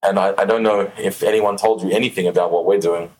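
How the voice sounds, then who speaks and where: A man with an Australian accent hosting a podcast, easygoing and quick to laugh. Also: deep voice, steady tone, darkish tone, low-quality recording. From Australia, New Zealand and Los Angeles. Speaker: podcast host. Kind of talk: casual interview chat.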